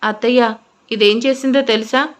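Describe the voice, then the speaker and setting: A woman voicing a hot-tempered young husband who shouts angrily. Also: a little high, steady tone, normal speed, natural voice. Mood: angry.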